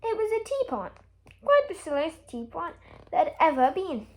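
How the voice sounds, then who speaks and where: A woman reads a children's story aloud in a high voice. Her delivery is expressive and emphatic, with a melody that swings widely from phrase to phrase. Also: normal speed, rough recording. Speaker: story reader.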